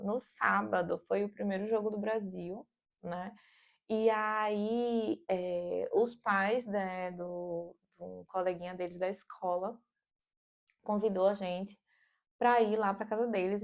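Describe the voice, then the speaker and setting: A woman in her thirties from Brazil with a Brazilian Portuguese accent, chatting casually and animatedly in a vlog from her home office. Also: medium pitch. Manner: chatty and animated, lots of fillers. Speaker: vlogger.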